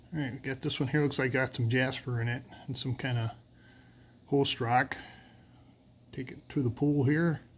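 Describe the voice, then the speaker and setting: The delivery is monotone and flat, somewhat breathy, at a moderate pace in an American accent. Long pauses come often. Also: man, medium pitch for a man. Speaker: rock cutting channel host. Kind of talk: casual tutorial narration. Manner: casual, hesitant with fillers.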